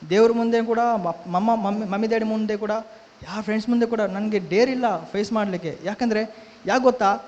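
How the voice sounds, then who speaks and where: A man's voice: high-pitched, a little fast, a little mellow. A man giving an emotional personal testimony in a church hall, talking fervently, repeating himself and asking the listeners rhetorical questions. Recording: echoey hall, dull lo-fi sound.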